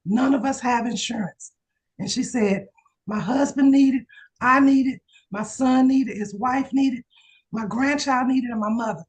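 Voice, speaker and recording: Hoarse excited woman on a video call. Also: high voice, a little slow, low-quality recording. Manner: excited, testimonial chat with laughs. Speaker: insurance agent. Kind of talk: casual video call chat.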